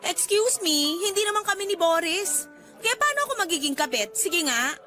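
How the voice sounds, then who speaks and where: A flippant, defensive young woman with a Filipino accent in a radio drama. Her voice sits high and bright, throwing out sassy retorts. Soft music plays underneath. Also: expressive, moderate pace, heavily acted. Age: 20s. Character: defiant, flippant single woman nearly thirty, freshly heartbroken. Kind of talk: Tagalog radio drama acting.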